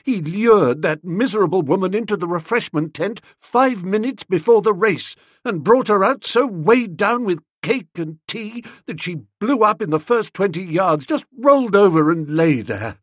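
A man voicing an agitated young man who rushes out indignant complaints. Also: sits high, animated, no echo, clean studio sound, pitched above the performer's own voice. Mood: bitter.

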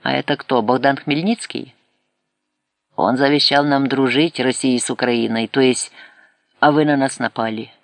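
A man's voice: mid-range voice, steady tone, normal speed, gravelly, a bit bright, dry recording. A man reading an audiobook, voicing a shifty, falsely polite older black-market dealer with a Moscow Russian accent. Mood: indignant. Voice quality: fawning, falsely polite, mixes broken Ukrainian with Russian. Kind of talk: audiobook character voice.

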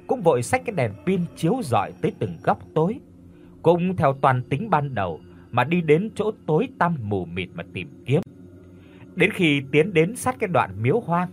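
A man narrating a horror audiobook with dramatic, expressive storytelling. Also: fairly high pitch.

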